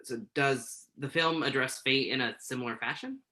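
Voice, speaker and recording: A bright, forward-sounding male voice at a middle pitch. A man acting as an earnest, slightly nervous magazine journalist in a naturalistic stage play reading. He speaks tentatively and thoughtfully, as in a conversational interview. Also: moderate pace, natural voice. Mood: tentative, musing. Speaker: actor in a virtual staged reading.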